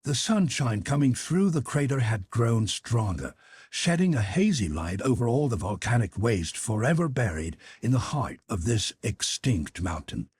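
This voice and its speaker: A man narrating a literary audiobook in a measured, expressive storytelling manner. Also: medium pitch, slightly rough, dry recording.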